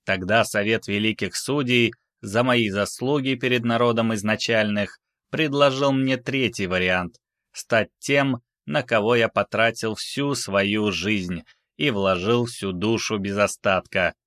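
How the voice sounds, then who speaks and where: A man voicing an ancient, courteous cyborg, once a captain, who tells his story in an unhurried, reflective way in a science fiction audiobook. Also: on the low side, fairly bright tone, no room sound, clean studio sound. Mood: solemn, sincere.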